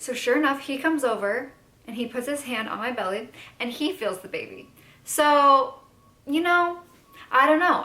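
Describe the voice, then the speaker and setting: The speech moves at a moderate pace with audible room echo. Noticeable background noise runs underneath. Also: woman. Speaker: lifestyle vlogger. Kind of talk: casual chat. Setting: home, sit-down video.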